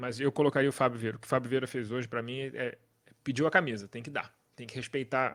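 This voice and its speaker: In a Brazilian accent, a man talks at a very fast pace with a bright, sharp tone and medium pitch, captured in a very clean recording with a silent background. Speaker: football fan channel host. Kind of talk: post-match football analysis monologue. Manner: animated, informal with hesitations.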